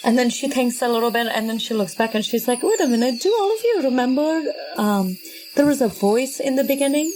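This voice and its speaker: A woman's voice: a little high, expressive, a little fast, background noise. A woman improvising casually as a player in a tabletop role-playing game.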